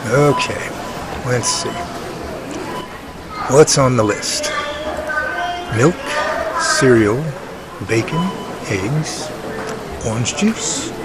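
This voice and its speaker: A man playing an excitable, folksy guy who exclaims and talks to himself in homespun slang in an audio drama. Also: mid-range voice, heavy background noise. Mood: musing, upbeat. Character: excitable, folksy man named Jerry, indignant Bigfoot defender. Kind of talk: hobby audio drama acting.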